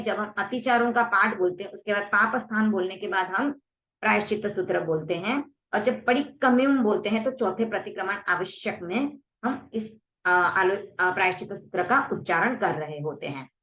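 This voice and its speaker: A woman teaching a prayer recitation, explaining it and then saying it slowly word by word so listeners can repeat. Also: medium pitch, fairly bright tone, roomy sound. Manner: slow, deliberate word-by-word recitation with pauses for repeating.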